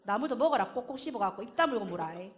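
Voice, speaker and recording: A woman's voice: a little high, expressive, natural voice. A woman voicing a nagging father who scolds his young son nonstop in Gyeongsang dialect. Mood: scolding. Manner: rapid scolding, nonstop orders.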